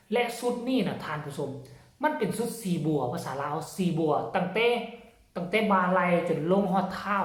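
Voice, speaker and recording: Chatty Isan-accented man, roomy sound. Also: sits high. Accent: Isan Thai. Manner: chatty, often addresses viewers directly. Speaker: channel host. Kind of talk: casual commentary to viewers. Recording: roomy echo.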